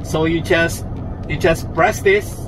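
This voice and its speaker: Slow-paced middle-aged man, higher-pitched voice. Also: steady tone, background noise. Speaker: truck driver and product reviewer. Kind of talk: casual product review vlog to camera. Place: truck cab.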